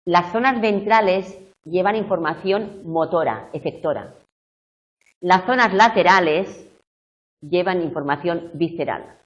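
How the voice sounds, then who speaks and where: A middle-aged woman with a lowish, unhurried voice gives a live university tutorial lecture on video, explaining things step by step and frequently checking in with her students. It's a muffled, lo-fi classroom recording.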